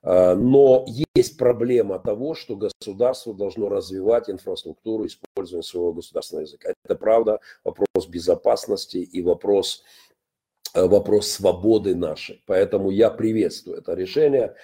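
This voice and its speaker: A middle-aged man from Ukraine, a pastor giving his own opinion broadcast, pausing often on "uh" and pushing up high on stressed words. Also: mellow, breathy edge. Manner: frequent "э" hesitations, emphatic rises. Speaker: pastor and commentator.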